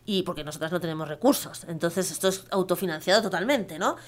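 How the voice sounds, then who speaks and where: A woman's voice: fairly low pitch, fast talker. Spanish woman on a radio interview, castilian accent, earnest, lots of "no?" and "eh". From Spain. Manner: earnest, many fillers and tag questions. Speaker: guest lawyer and activist.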